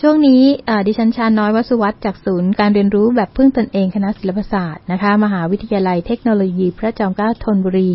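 A woman's voice: mid-range voice, steady tone, fast talker, hardly any pauses. A woman from Thailand presenting an educational community radio talk, speaking politely with frequent particles and English terms mixed in. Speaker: university learning centre presenter. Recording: dull lo-fi radio recording.

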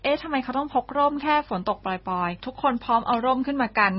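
A chatty woman with a Thai accent co-hosts a radio lesson and keeps up a steady flow of agreement. Her voice sits a little high and sounds slightly husky. The recording is muffled and lo-fi. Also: fast. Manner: chatty, frequent agreeing interjections. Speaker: radio co-host. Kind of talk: casual co-hosted lesson chat. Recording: dull lo-fi broadcast sound.

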